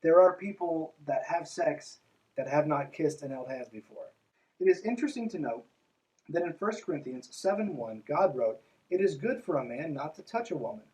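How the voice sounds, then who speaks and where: A man's voice: fairly high pitch, animated, normal speed, a little mellow, far from the mic, low-quality recording. A man hosting a podcast, reading aloud and breaking in with mocking, irreverent, conversational asides. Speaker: podcast host.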